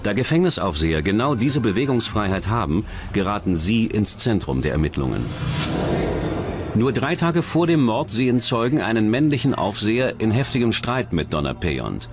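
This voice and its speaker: A man reading scripted true-crime documentary narration in a measured, serious manner. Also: lowish voice, sing-song. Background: background music.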